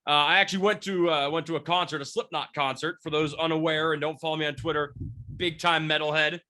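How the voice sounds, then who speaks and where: Congested young man, bright tone. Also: on the high side, steady tone, quick pace. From Washington State, near Seattle. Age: 20s. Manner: rambling, frequent restarts and fillers. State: congested from a cold. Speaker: podcast host, sports beat writer. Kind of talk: casual sports podcast chat.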